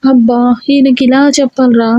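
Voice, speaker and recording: A woman's voice: flat delivery, normal speed, no room sound, highs cut off, lightly acted. A woman doing a feisty flustered young woman. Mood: exasperated. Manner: exasperated, shrill outbursts.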